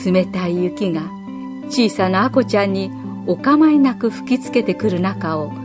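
A woman narrating a children's story in a gentle, measured storytelling manner. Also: mid-range voice, lively intonation. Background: faint music.

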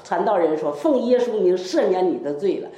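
In an echoey room with soft music playing behind her, an older churchwoman gives a rambling, heartfelt personal testimony full of quoted conversation. She speaks a little fast in an expressive, dark-toned voice on the low side.

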